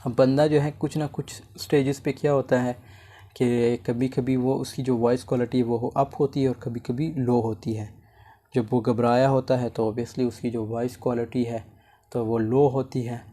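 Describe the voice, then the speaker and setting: A male teacher giving an online lecture, slowly reading English slide text aloud and then explaining it, often repeating himself. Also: mid-range voice, dark tone. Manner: repeats words while explaining.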